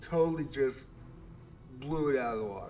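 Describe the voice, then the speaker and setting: A man with an American accent speaks at a fairly high pitch. Audible room echo surrounds his voice. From Eastern Washington, US. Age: 60s. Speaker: game streamer. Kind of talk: live gameplay commentary. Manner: animated.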